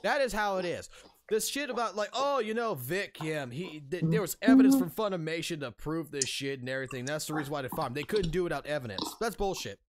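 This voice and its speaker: A man's voice: a little high, animated, quick pace. A man in his thirties ranting on stream in an open discussion, heated and profane, restarting his sentences often. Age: 30s.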